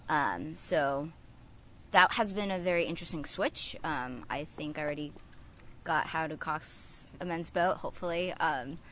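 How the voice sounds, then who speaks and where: A woman's voice: sits low, a little slow, a bit bright, a little hiss or hum. A young woman who coxes a college rowing team, answering interview questions with lots of fillers. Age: young adult. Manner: lots of um fillers, chatty and upbeat.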